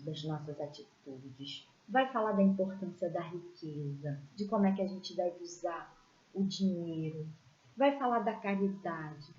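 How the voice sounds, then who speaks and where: A woman teaching a children's religious class, telling stories in a gentle, expressive way and pointing out pictures as she goes. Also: on the low side. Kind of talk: storytelling lesson for children. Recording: echoey room, dull lo-fi sound.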